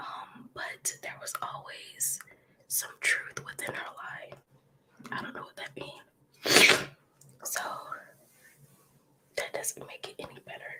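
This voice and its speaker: Whispering at a very slow pace with long, frequent pauses, against noticeable background noise. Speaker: ASMR youtuber doing commentary livestream. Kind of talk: casual commentary livestream. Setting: livestream.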